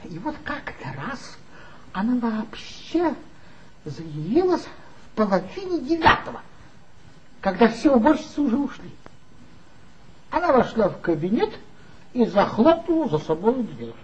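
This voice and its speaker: A man's voice: very high-pitched, sing-song, unhurried, pauses often, a little hiss or hum, full character voice. A sly, gossiping ex-magazine man. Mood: gossipy. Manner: gossipy, mocking, confiding storyteller. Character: tipsy gossiping male ex-magazine worker, sly. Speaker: former magazine staffer. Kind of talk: 1960s stage radio play acting. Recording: muffled old radio-play recording.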